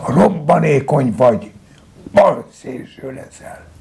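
The voice swings very widely in pitch. It belongs to a man. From Hungary. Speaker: retired footballer. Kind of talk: interview answer. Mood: reminiscing, storytelling. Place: home room.

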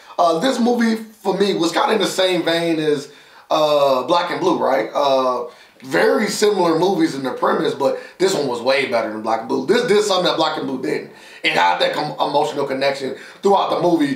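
A man at a fairly quick pace, with audible room echo. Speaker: film reviewer. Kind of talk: casual review commentary. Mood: upbeat, amused. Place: studio.

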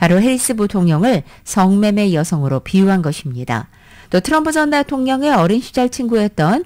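A woman speaks at a moderate pace in a dark, mellow tone. Her pitch swings very widely against a quiet background. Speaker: radio news anchor. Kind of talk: news reading. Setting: studio. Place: studio. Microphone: studio mic.

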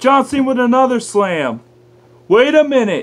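Speaking at a moderate pace, this man has an extremely high pitch and ordinary pitch variation. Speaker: wrestling commentator. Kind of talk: live wrestling play-by-play commentary. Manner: animated, building suspense on pin counts. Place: home room. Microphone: camera far.

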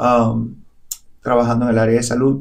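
A man with a Venezuelan accent talks in a flat, monotone way against a quiet background. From Venezuela, Acarigua (Los Llanos). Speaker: entrepreneur. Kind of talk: interview. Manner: hesitant, many fillers. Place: studio. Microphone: studio mic.

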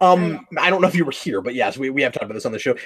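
A man speaks in an animated tone. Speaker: podcast host doing episode commentary. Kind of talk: casual chat. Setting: live-streamed recording with co-hosts. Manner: animated, jokey. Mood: joking, playful. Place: home room. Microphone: webcam.

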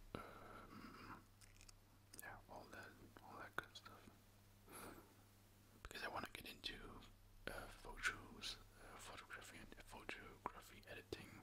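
Whispering at a fairly slow pace, a man leaves long, frequent pauses. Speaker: ASMR creator. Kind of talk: ASMR ramble. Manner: soft-spoken and whispered. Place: home room.

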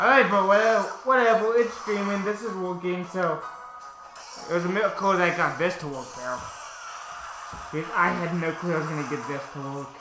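Faint music plays in the background as a man with a high pitch talks at a fairly quick pace with ordinary pitch variation. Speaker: game streamer. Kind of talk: casual stream chat. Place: home room. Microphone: phone near.

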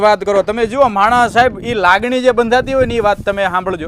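Noticeable background noise sits behind this man. His pitch is extremely high. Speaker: YouTube vlogger. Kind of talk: casual video interview. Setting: outdoors. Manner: animated.

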